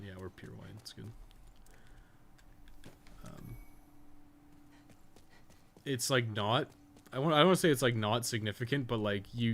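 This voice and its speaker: A man's voice: mid-range voice, fairly bright tone. A man chatting casually while streaming a game, rambling along and swearing freely, with some noise behind him. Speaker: game live streamer, podcast co-host. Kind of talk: casual livestream chat while gaming.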